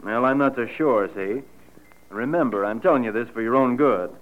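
A man's voice: mid-range voice, normal speed, close to an everyday voice. An actor playing a blunt, sarcastic diner owner who turns fatherly, in an old radio drama. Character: gruff protective diner owner, middle-aged. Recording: dull old radio recording with faint hiss.

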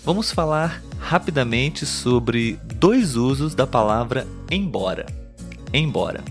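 A man hosting a Portuguese lesson podcast for learners, speaking slowly and clearly, checking in with listeners as he gives examples. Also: mid-range voice, lively intonation, faint music behind. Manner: slow, clear teaching delivery with examples. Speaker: Portuguese tutor and podcast host.

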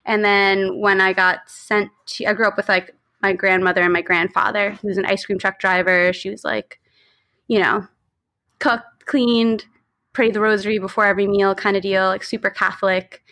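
Her mid-range voice keeps a fairly even intonation and moderate pace, with a sharp edge. She is a Long Island woman in her thirties, an interview guest swapping casual stories. She speaks with an American accent, having grown up with Spanish first.

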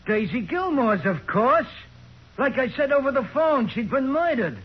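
A man playing a talkative working-class building superintendent in 1940s radio style, folksy, ungrammatical and excitable. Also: very high voice, moderate pace, slight background noise. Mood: excited. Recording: muffled old radio recording.

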